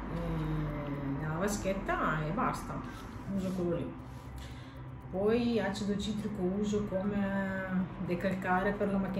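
A woman speaks at a very slow pace with long, frequent pauses. Noticeable background noise sits behind her. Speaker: home vlogger. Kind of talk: casual vlog chat. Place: kitchen. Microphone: phone near.

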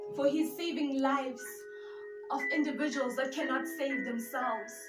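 Noticeable noise fills the background. A woman speaks at a moderate speed. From South Africa. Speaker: spoken word poet. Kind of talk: spoken word poetry reading. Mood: anxious, emotional, dramatic. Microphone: phone near.

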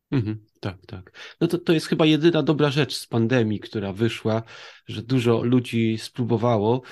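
Against a quiet background, a man speaks at a moderate pace at a medium pitch in a normal speaking voice. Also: ordinary pitch variation. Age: 50s. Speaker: podcast host. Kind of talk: casual interview.

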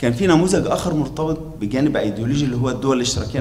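Noticeable noise is present behind the speaker. He is a man whose pitch moves in a usual way. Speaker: conference panelist. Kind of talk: conference speech. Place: hall. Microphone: podium.

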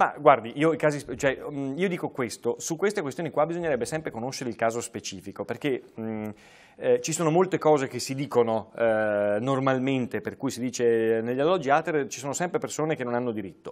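Against a quiet background, a man speaks at a fairly quick pace. His intonation is lively. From Belluno, Veneto, northern Italy; Veneto, Italy. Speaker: mayor. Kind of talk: TV interview. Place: studio. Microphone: lapel.

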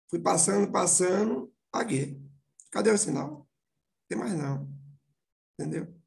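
A man's voice with vocal fry and lively intonation, broken by long, frequent pauses. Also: fairly slow pace. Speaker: course student. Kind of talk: testimony. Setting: video call.

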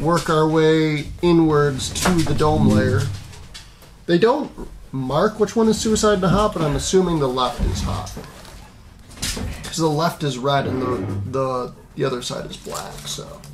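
A man talks fairly slowly, stopping often for long pauses. Noticeable background noise is present throughout. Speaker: food reviewer. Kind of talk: casual vlog chat. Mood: playful, joking. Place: kitchen. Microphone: phone near.

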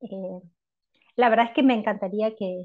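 Medium-pitched, dark, mellow speech from a woman at a moderate pace with fairly even intonation, over a quiet background. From Corrientes, Argentina. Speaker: festival ambassador. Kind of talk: casual interview chat.

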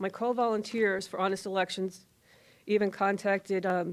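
A woman with a New Jersey accent talks at medium pitch with monotone, flat intonation. The recording is very clean, with a silent background. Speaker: public commenter at a county meeting. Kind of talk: public comment statement. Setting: county commission meeting room.

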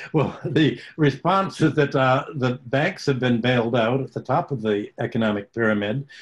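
The man talks at a moderate pace with hardly any pauses, his pitch medium and varying in an ordinary way. His voice is somewhat breathy. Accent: American. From US Midwest (Minneapolis, Chicago). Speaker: economist. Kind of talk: interview.

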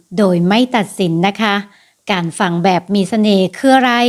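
A woman speaks in a normal speaking voice at a fairly high pitch. Her pitch variation is ordinary. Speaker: self-help narrator. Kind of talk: self-help advice narration.

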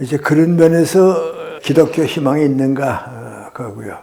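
A fairly slow delivery from a man, dark and mellow in tone, with ordinary movement in pitch. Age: 80s+. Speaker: philosopher, professor. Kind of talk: interview answer.

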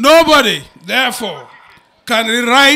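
Projecting his raised voice, a man sounds bright and sharp, with ordinary pitch variation. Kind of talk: formal ceremonial speech. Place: tent. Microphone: podium.

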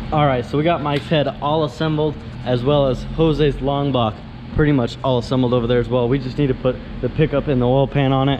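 A man talking at a fairly quick pace with fairly even intonation, over noticeable background noise. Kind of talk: casual vlog chat. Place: garage. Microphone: phone near.

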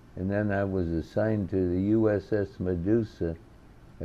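At a fairly slow pace, a man speaks with a very deep, low pitch and fairly even intonation. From Montana. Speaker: war veteran. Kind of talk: oral history interview. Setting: Corona, California. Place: home room. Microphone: lapel.

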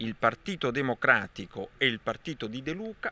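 Speaking at a fairly slow pace, a man has a bright, sharp tone and a dry sound with no echo. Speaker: politician. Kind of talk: interview answer. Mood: combative, defensive. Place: garden. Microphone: handheld.

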